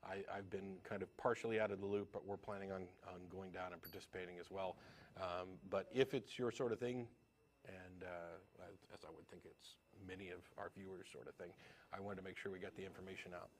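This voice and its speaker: A man with a somewhat low voice hosts a live call-in TV show. He gives announcements in a casual, easygoing way before moving on to the phone lines. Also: steady tone, brisk. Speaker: co-host.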